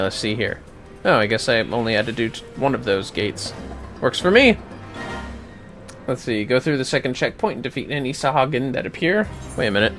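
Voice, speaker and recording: A man's voice: medium pitch, fairly bright tone. A man giving casual, foul-mouthed commentary on a gaming livestream, muttering to himself with playfully theatrical outbursts.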